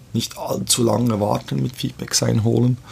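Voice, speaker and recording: Noticeable background noise behind a fairly slow, medium-pitched male voice. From Switzerland, Bern. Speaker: app product owner. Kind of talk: interview. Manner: hesitant, many fillers.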